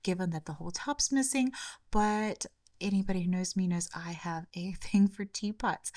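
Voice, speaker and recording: A woman hosting a craft tutorial, talking through each step in a chatty way, her voice slightly raspy and hoarse from a cold. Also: mid-range voice, darkish tone, no room sound. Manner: chatty, step-by-step, frequent small repeats. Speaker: craft channel host. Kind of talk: casual craft tutorial narration.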